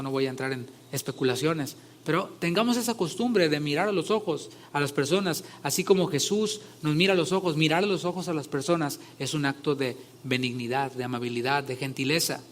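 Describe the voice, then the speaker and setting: Male pastor, fairly high voice, conversational sermon with emphatic swells. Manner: conversational, rising loud when retelling scripture scenes.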